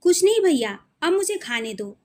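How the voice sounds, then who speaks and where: A woman's voice: extremely high pitch, big pitch swings, moderate pace. Woman voicing an irritated young bride. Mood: eager. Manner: sharp, annoyed retorts.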